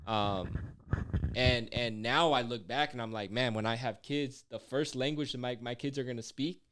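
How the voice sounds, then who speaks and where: A man's voice: mid-range voice, normal speed, a bit bright, clear, resonant tone, dry recording. A young man whose first language is Spanish, speaking with a Latino American English accent as he hosts a podcast in an upbeat, slangy way. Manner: upbeat, hyping up his guest, slangy. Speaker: podcast host. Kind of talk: casual podcast chat.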